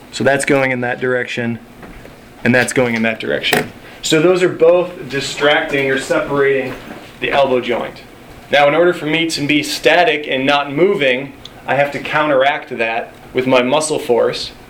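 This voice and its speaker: Over noticeable background noise, a man talks at a fairly high pitch with fairly even intonation. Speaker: university lecturer. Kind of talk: lecture. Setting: classroom. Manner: fast.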